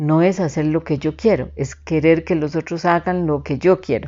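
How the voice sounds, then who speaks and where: The speaker is a woman. She talks in a flat, monotone way. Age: 60s. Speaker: podcast host. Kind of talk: solo monologue.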